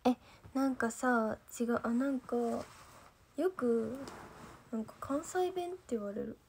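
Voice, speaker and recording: Young woman, slightly high voice, light Gifu accent, rambling livestream chat to fans, lots of fillers. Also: lively intonation, takes it slowly, a little mellow, slightly rough. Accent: mostly standard Japanese with a light Gifu dialect. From Gifu, Japan. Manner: chatty and rambling, loses her thread, fills with "nanka". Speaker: idol trainee livestreaming to fans. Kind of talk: casual livestream chat reading viewer comments.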